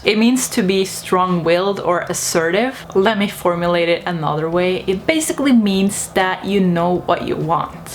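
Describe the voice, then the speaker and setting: A woman's voice: fairly low pitch, a little hiss or hum. A young woman from Norway, chatting casually and playfully to her viewers in a video monologue. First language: Norwegian. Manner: chatty, lively, laughs at her own points. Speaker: vlogger.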